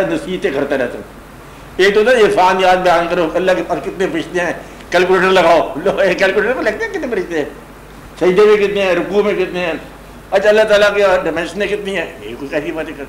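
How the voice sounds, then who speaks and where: A man's voice: on the high side, a little hiss or hum. A man teaching a gathering in a conversational religious discourse, retelling a story and often asking whether his listeners have understood. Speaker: spiritual teacher addressing a gathering. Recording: echoey room with faint ambience.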